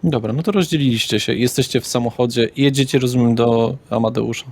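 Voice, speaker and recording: A man's voice: mid-range voice, fast, creaky. A man narrating a tabletop role-playing game as its game master. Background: music.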